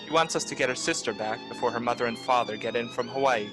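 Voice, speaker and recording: A man's voice: mid-range voice, quick pace, over music, lightly acted. A man playing a wry, cynical private detective in a 1940s-style radio noir, talking in clipped slang. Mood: wry, matter-of-fact.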